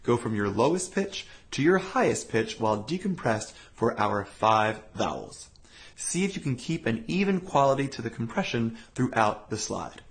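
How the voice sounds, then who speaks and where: A man leads a voice lesson, explaining each exercise in a calm, clear, step-by-step way. His pitch moves around a lot as he talks. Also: moderate pace. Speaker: voice teacher. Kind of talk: instructional voice lesson.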